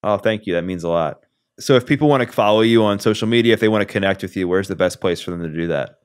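Man hosting a podcast, low pitch, smooth resonant voice, close studio mic. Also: fast. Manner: relaxed, many "like" fillers. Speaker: podcast host. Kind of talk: casual interview. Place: small room, video call. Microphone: studio mic on boom arm with headphones.

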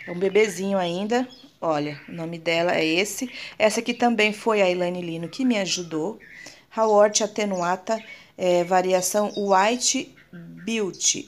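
A woman's voice: mid-range voice, slight background noise. A woman with a Brazilian Portuguese accent gives a casual show-and-tell vlog. She is chatty and affectionate, uses lots of diminutives, and keeps turning to her viewers. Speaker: plant vlogger.

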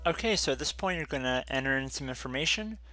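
A man's voice: medium pitch, expressive, fast, bright, forceful tone, faint music behind. A man narrating a screen-recorded computer tutorial, casually walking viewers through each step.

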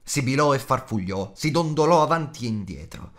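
Expressive male audiobook reader. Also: medium pitch, moderate pace. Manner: dramatic, varied reading.

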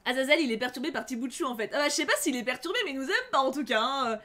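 High-pitched young woman streamer, bubbly and gushy, reads the game out loud and chats with her viewers. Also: lively intonation, very fast. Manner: bubbly, gushing, chatty. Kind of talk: live gameplay chat and reading aloud.

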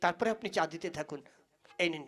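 A woman's voice: lowish voice, quick pace, fairly bright tone. A woman playing a courteous, hesitant man who is a stranger in a village, in a comic puppet play. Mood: hesitant, insistent. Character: polite, hesitant, increasingly impatient male stranger seeking directions.

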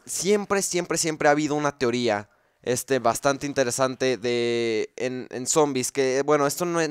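A man talks through a video game theory in a loose, explanatory way, pausing on fillers and restarting his sentences. His voice is smooth and clear and sits at an ordinary pitch. It is recorded dry and close, with no room sound. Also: dry recording. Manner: thinks aloud, with frequent fillers and restarts. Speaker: gaming YouTuber explaining game lore. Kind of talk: casual explanatory commentary.

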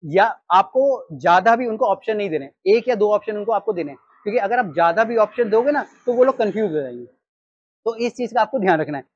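A man in his thirties with an Indian accent, teaching restaurant staff how to take orders in an animated way. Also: high-pitched, fast talker, slightly rough, no echo, dull audio. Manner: animated, gestures while reading from a sheet. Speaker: restaurant trainer. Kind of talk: training talk. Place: storefront of a small takeaway, outdoors. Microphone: lapel mic.

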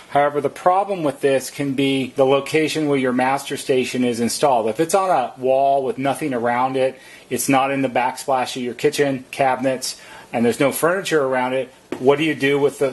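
A man's voice: mid-range voice, breathy edge. A man who works as a service technician, giving an informal, plain-spoken product demonstration and explaining step by step.

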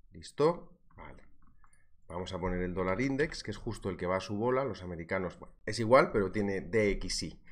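A man teaching a live trading webinar, joking and chatting as he reads viewer messages. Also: low-pitched. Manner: jokey, chatty, reads viewer chat aloud. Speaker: trading instructor.

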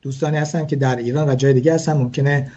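A man's voice: mid-range voice, fairly even intonation, dark tone, husky, highs cut off. A man explaining religious wedding customs in a talk show, hesitant, with many fillers and restarts. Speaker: guest speaker on Jewish customs.

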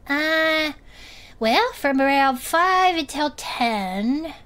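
Naive turtle sidekick woman acting: high, lively, earnest and polite, audio drama. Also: drawn-out words, full character voice. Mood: hesitant, helpful.

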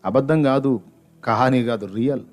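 Male preacher, dramatic storytelling sermon, mid-pitched voice, faint music. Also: normal speed. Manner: dramatic, swinging between loud outbursts and hushed lows. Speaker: pastor.

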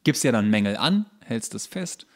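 A man's voice: medium pitch, very animated, normal speed. Joking, rambling man podcaster. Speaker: podcast co-host. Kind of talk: casual comedic podcast chat.

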